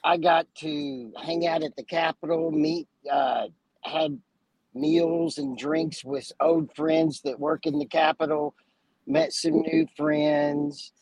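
A man co-hosting a podcast in casual chat, speaking haltingly with many "uh" pauses. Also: a little high, big pitch swings, vocal fry, darkish tone, husky, no echo, poor audio. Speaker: podcast co-host.

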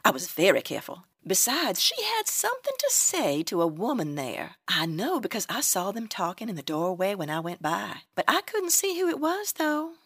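A coy Southern switchboard operator in a radio comedy. Her drawl swoops theatrically from note to note, slightly husky and rather high. She is sweet, genteel and gossipy, recorded dry and close. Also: big pitch swings, normal speed, hardly any pauses, a bit bright, no room sound, exaggerated voice. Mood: sweetly gossipy. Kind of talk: old-time radio comedy acting.

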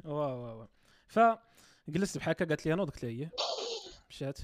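A man's voice: a little high, expressive, rapid-fire, background noise. A man with a Moroccan Arabic accent chatting casually as a podcast co-host, telling jokey anecdotes and mixing in French words.

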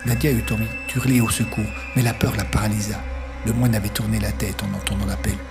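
Low-voiced man narrating a story. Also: level tone, quick pace. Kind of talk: scripted narration of an audio story. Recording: music playing under the voice.

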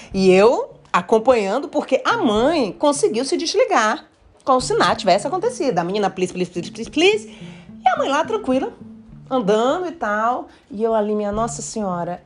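Animated woman telling a story. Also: medium pitch. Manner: animated, addresses listeners directly. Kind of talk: casual personal storytelling.

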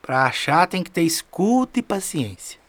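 Brazilian riverman, colloquial n teasing, swoopy animated talk, radio drama homespun wisdom. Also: on the high side, moderate pace. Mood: folksy, wise. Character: folksy, teasing riverman, patient homespun philosopher.

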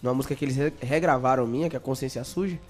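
This young songwriter from Bahia races along in a medium-pitched, slightly mellow voice, his Bahian Brazilian Portuguese accent clear, with soft music underneath. He's a guest in a casual interview, joking freely and stammering on repeated words.

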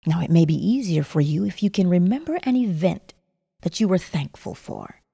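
A woman narrates a guided sleep meditation like a sleep story, soft and breathy, often near a whisper, in measured instructions with lingering pauses. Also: on the low side, sing-song. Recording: long reverberant echo.

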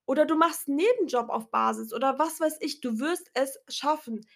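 A woman speaking loudly and earnestly to her viewers in a casual, unedited motivational vlog, her voice a little strained. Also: high voice, moderate pace. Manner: earnest, encouraging, talks loudly. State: clearing her throat, voice a bit strained. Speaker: vlogger. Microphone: self-recorded, unedited.

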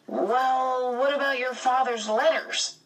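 A woman reading aloud, voicing a kind teenage boy who talks to a friend gently and reassuringly. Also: high-pitched, fairly even intonation, slow pace, distant mic, pitched above the performer's own voice, low-quality recording. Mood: gentle.

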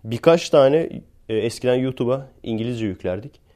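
A man's voice: mid-range voice, lively intonation, normal speed, mellow. A man from Turkey hosting a podcast, talking in a chatty, sarcastic, rambling way and often laughing. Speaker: podcast host. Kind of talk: casual podcast monologue.

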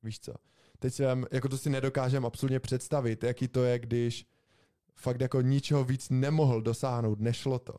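Mellow-voiced young man, slangy chat. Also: medium pitch, little pitch movement. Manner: slangy, amazed, musing aloud. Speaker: podcast co-host. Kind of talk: casual chat.

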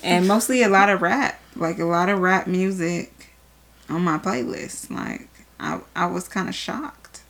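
A woman's voice: lowish voice, measured pace, gravelly. A young adult woman co-hosting a podcast, chatting casually and loosely with slang. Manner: relaxed, conversational, uses slang. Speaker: podcast co-host. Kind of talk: casual chat.

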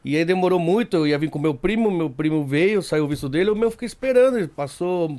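A man's voice: fairly high pitch, animated, fast, a little mellow. A man from Argentina, a restaurant owner, chatting as a podcast guest, easygoing and joking. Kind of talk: casual podcast chat.

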